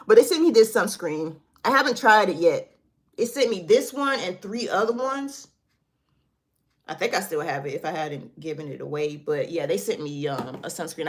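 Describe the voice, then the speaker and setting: A young woman, chatting casually and rambling through a skincare product review, laughing at herself. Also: fairly low pitch. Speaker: beauty vlogger.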